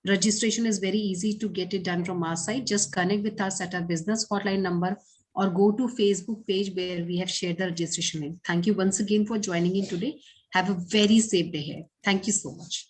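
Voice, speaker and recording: A woman's voice: mid-range voice, steady tone, a little fast, poor audio. A woman giving formal, promotional closing announcements for a webinar. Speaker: webinar co-host.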